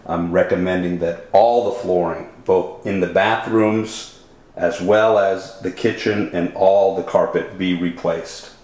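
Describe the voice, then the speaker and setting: A deep, steady, darkish voice moves at a measured pace as a realtor films his walk through bare townhouse rooms, offering brief, disapproving remarks without a script. Sound from the handheld camera mic echoes, with faint noise underneath.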